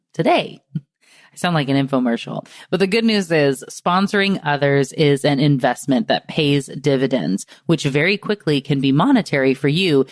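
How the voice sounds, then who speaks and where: A woman's voice: deep voice, dry recording, studio quality. A woman hosting a podcast, upbeat and encouraging, closing the show with a scripted wrap-up. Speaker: podcast host.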